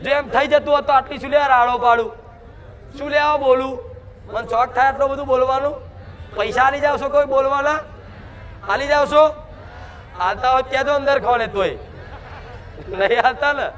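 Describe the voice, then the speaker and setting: A woman's voice: high voice, moderate pace, long pauses. Woman preaching emphatically at a shrine. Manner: emphatic, full of rhetorical questions. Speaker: shrine preacher speaking as the Mother goddess. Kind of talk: devotional sermon.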